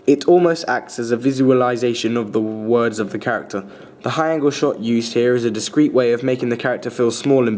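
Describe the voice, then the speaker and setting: Casting: young adult male, mid-pitched and mellow, formal scripted commentary, measured read. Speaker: student filmmaker explaining their trailer. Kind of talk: scripted commentary, analytical narration.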